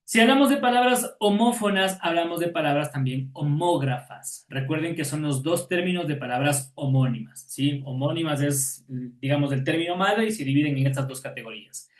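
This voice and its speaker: Guy teaching a class online, a bit high voice, lots of "ya?" checks, echoey room. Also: normal speed. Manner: explains patiently, checks with "¿ya?" and "¿sí?".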